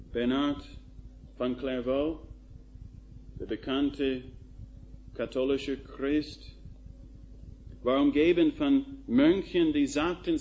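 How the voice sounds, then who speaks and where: A man preaching a sermon in a slow, emphatic style, building to rising calls to the listeners. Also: mid-range voice, darkish tone. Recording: dull lo-fi recording with faint noise.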